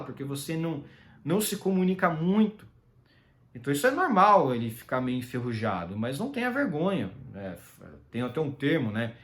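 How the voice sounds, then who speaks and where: A Brazilian man talks through his points in a loose, rambling way and keeps checking in with tag questions. His voice sits a little high for a man, and his pitch rises and falls a lot. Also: a bit bright. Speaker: commentator. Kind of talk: casual solo commentary.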